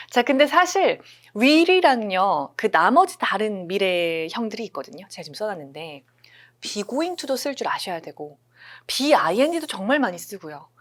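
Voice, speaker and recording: Woman, English grammar lesson, step-by-step explaining, animated pitch. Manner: explains step by step, often checks in with listeners; repeats English example sentences slowly. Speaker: English teacher.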